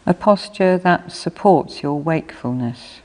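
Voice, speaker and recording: A woman minister leading a guided meditation in measured, unhurried phrases with long pauses. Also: low-pitched, lively intonation, darkish tone. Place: church. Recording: long reverb of a church hall.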